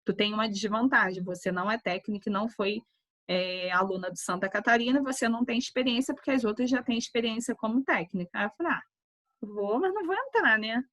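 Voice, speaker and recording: A woman, a nursing teacher talking casually to her class and telling a lively anecdote full of quoted voices. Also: mid-range voice, fast, no echo. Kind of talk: casual class talk, storytelling. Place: online class.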